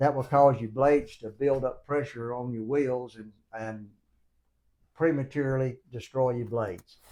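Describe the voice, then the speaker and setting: Speaking in a Mississippi accent, a man keeps a moderate pace and fairly even intonation, his dark, mellow tone shifting through big swings in loudness. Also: medium pitch for a man. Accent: southern US, Mississippi. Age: 70s. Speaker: blade sharpening tradesman. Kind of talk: casual tutorial.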